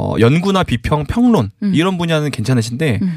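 This man has a fairly high pitch. His voice makes very wide pitch swings. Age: young. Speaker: video creator. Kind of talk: casual chat.

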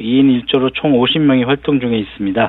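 A man at a medium pitch with fairly even intonation, over noticeable background noise. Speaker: city government official. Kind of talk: formal policy briefing. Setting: phone call. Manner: formal.

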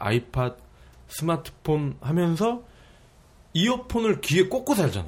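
At a very slow pace, a man's somewhat breathy voice moves through very wide pitch swings. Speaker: radio podcast co-host. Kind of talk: interview.

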